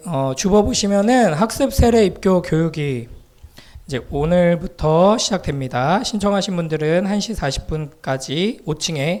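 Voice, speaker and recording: A man talks rather slowly, his intonation full of life. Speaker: youth pastor. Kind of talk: sermon. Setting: church.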